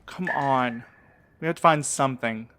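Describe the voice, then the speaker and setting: A man's voice: mid-range voice, moderate pace, a bit bright, slight background noise, lightly acted. An actor, a man, playing a determined, frustrated searcher who refuses to give up, in naturalistic audio drama dialogue. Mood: tense, frustrated.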